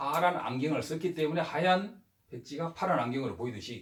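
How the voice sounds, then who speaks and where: A man speaks at a moderate pace. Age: 50s. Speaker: Buddhist monk. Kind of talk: dharma talk. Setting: his room at night.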